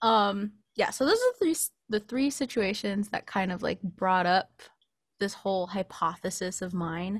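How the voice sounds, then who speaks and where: Against a quiet background, a woman speaks at a moderate pace. Her voice is somewhat breathy, with ordinary pitch variation. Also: medium pitch for a woman. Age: 20s. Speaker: podcast co-host. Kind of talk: casual chat. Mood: playful, humorous. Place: home room. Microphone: studio mic.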